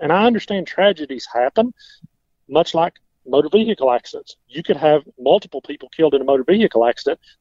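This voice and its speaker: A fairly high male voice in an Appalachian accent, moderately paced and lively in intonation. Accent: Appalachian Southern US. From western North Carolina. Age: 50s. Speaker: political candidate. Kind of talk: interview.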